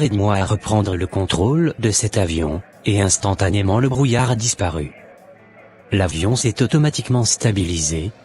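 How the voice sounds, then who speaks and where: A man's voice: lowish voice, darkish tone, lightly acted. A man playing an earnest, solemn born-again Christian with a preachy, formal manner in an amateur cartoon. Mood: relieved, thankful.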